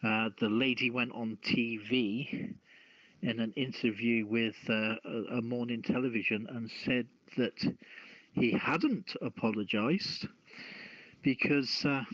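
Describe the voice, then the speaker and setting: Slow, dry-sounding man presenting news. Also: mid-range voice, a bit bright, no room sound. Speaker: podcast host reading news stories. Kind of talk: casual news commentary mixing reading and chat. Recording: dull, lo-fi streamed audio.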